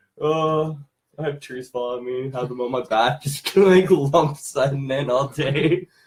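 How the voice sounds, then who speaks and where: Fairly high-pitched and somewhat breathy, a man speaks at a fairly slow pace with fairly even intonation. His loudness swings widely. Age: 30s. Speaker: outdoor worker. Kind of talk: casual chat. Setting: live stream.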